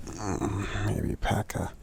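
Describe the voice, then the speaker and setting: A man playing a kindly, considerate giant friend in a soft-spoken ASMR roleplay, gentle and hesitant, murmuring with thoughtful hums in a gravelly half-whisper. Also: on the low side, steady tone, very slow, exaggerated voice. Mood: warm, encouraging.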